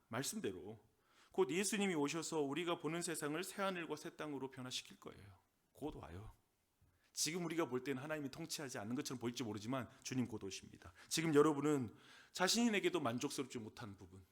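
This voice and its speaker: A male pastor with a Gyeongsang Korean accent preaching a sermon, swinging between loud, emphatic lines and soft whispered asides. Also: medium pitch.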